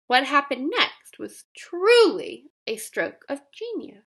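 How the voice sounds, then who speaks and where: Female storybook narrator, high and very lively in pitch, expressive scripted read-aloud for children with emphatic delivery. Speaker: storybook reader.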